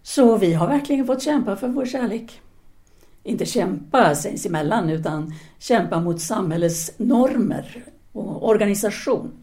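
A woman's voice: mid-range voice, expressive, warm tone, natural voice. An actress playing a self-assured, independent-minded French woman teacher in a 1930s audio drama, speaking formally and didactically. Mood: firm, reflective. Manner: formal, articulate, didactic, with hesitant pauses.

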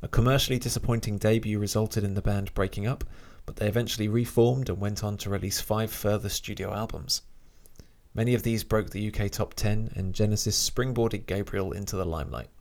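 A man chats casually about music in a relaxed, hesitant manner, occasionally reading a short biography aloud. His voice is on the low side with vocal fry, and he speaks a little fast.

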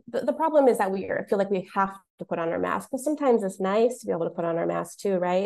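Female moderator, lowish pitch with vocal fry, thoughtful and conversational. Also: a little mellow. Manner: thoughtful, checks in with "right?". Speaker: discussion moderator.

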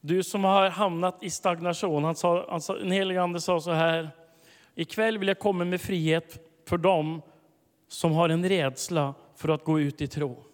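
A man preaching a sermon to a congregation, telling a story with sudden loud, high-pitched bursts of emphasis. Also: fairly even intonation. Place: large hall, preaching to a congregation. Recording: long hall reverb.

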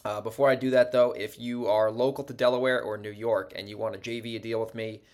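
A man's voice: fairly low pitch, steady tone, fast, darkish tone. A man hosting a podcast, chatting casually and upbeat with frequent fillers. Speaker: podcast host. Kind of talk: casual interview chat.

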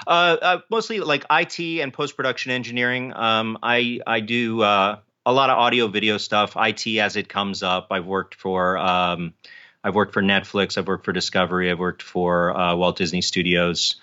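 Bright, low-voiced man chatting hesitantly. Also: fairly even intonation, moderate pace, smooth. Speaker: podcast guest, author and post-production engineer. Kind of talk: casual interview chat. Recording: slightly dull, band-limited audio.

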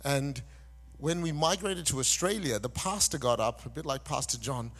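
A man's voice: mid-range voice, normal speed, a bit bright, faint music behind. Middle-aged guy guest preaching, chatty, jokes at himself, lots of uhs. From Malaysia. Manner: chatty and self-deprecating, with frequent "uh" fillers. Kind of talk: sermon with personal story.

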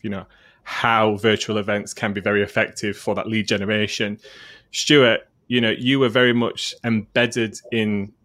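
His accent is broad Yorkshire with a Mancunian touch, marking him as from northern England, and he hosts a talk show in a relaxed, chatty interviewing manner. The voice is on the low side and fairly bright, with little pitch movement and a moderate pace.

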